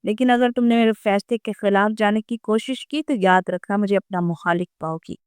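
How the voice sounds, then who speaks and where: A woman's voice: mid-range voice, smooth, no echo, studio quality, close to an everyday voice. A woman reading the lines of a commanding elderly grandfather in an audiobook story, giving orders and threats. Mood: stern. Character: stern elderly male grandfather, village patriarch.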